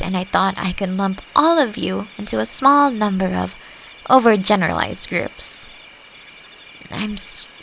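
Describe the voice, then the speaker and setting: A woman playing a friendly, thoughtful forest elf in a roleplay audio drama, talking gently and reflectively to the listener. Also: medium pitch, vocal fry, low-quality recording. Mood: apologetic, soft. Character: friendly, thoughtful female forest elf, long-lived and curious. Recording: faint noise, nighttime forest insect ambience. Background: crickets and forest ambience.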